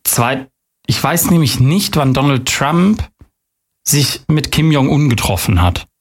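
A man's voice: medium pitch, expressive, measured pace. A man on a quiz podcast, thinking aloud through answers with dry wit and frequent laughter. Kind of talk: casual quiz chat.

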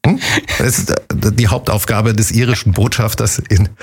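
A man's voice: on the low side, fairly even intonation, normal speed, darkish tone, slightly rough. A man co-hosting a quiz podcast, chatty and joking as he tells stories and asks questions. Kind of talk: casual quiz chat.

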